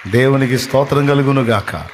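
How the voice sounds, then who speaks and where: A man's voice: medium pitch, brisk, a faint crowd, a little hiss or hum. A man preaching a sermon with passion, retelling scripture scenes and putting questions to his listeners. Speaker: pastor. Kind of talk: Telugu sermon.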